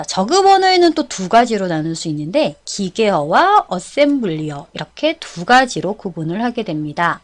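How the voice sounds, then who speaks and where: Lady teaching an exam prep lecture, highish voice, really animated pitch, explains stuff step by step. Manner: didactic, step-by-step, polite spoken register. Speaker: instructor.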